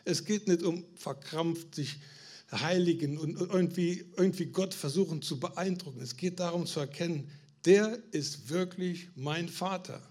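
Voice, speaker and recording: A man's voice: a little high, darkish tone. German man preaching a sermon. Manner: addresses the congregation with questions, rising in emphasis; restarts and stumbles on words.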